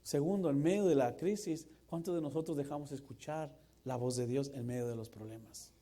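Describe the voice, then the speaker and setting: Lively man in his forties preaching. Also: medium pitch, brisk. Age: 40s. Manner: lively, jokey preaching that swings from loud to hushed. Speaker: pastor. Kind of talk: sermon.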